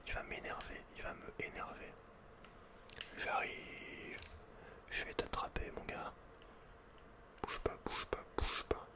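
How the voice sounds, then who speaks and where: A man's voice: slow pace, long pauses. Whispering man, ASMR game commentary. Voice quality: soft, breathy, unvoiced whisper. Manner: casual, murmured running reactions with slangy asides. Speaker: ASMR gaming video host.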